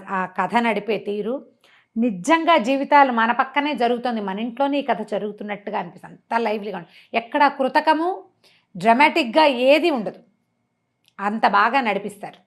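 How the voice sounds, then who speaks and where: A woman storyteller retelling a story in a conversational, expressive way, mixing in some English words. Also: on the high side, moderate pace. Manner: expressive, acts out characters' dialogue.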